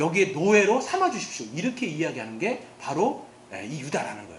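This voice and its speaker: A man speaks in an animated tone. Noticeable background noise and audible room echo are present. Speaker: pastor. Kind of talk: sermon. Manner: fast.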